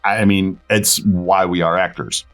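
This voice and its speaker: A man talking casually as an interview guest, thinking aloud in short, halting phrases. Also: low-pitched, fairly even intonation. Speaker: voice actor and director, interview guest. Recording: music behind the voice. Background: background music.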